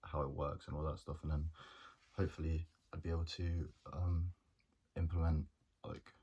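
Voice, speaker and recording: A young man, a journalism student talking through his plans in a hesitant, monotone way with many pauses and restarts. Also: rumbling low, breathy edge, dull audio. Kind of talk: casual reflective monologue.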